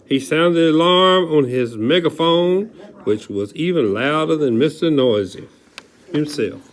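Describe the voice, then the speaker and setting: A man's voice: a little high, unhurried. A man reading a children's story aloud in a dramatic way, drawing out key words and sometimes correcting himself.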